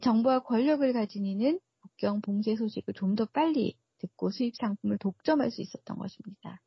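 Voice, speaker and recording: A woman's voice: on the high side, a little fast, gravelly, husky, no room sound, dull audio. A woman speaking as an expert radio guest, giving prepared analysis in a formal, explanatory way. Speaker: research fellow, expert guest.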